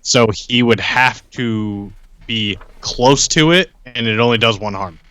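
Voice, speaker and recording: A man's voice: mid-range voice, unhurried, bright, forceful tone, clear, resonant tone. A man chatting casually as a player in a tabletop roleplaying game.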